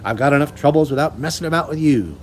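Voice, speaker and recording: A man voicing a gruff, impatient father who snaps at his child. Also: a little high, animated, quick pace, slight background noise, natural voice. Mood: snappish. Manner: snappish and dismissive.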